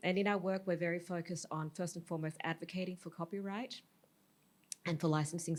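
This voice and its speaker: In a very clean recording with a silent background, a woman talks at a fairly quick pace with an Australian accent. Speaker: copyright organisation representative. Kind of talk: conference presentation.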